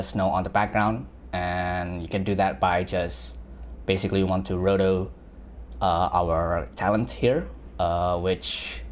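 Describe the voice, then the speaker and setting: Running a live screen-share software tutorial, a young man from Indonesia teaches visual effects on a livestream in a casual manner full of fillers and self-corrections. His voice is deep and darkish, with slight background noise.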